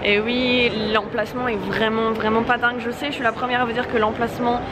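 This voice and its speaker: A woman's voice: a little high, flat delivery, fairly quick. A young woman talking to a handheld camera in a casual, chatty, self-mocking way, laughing often as she walks through a busy convention hall. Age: young adult. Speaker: artist vlogger. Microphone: handheld camera at arm's length. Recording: noisy crowded convention hall. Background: loud crowd chatter.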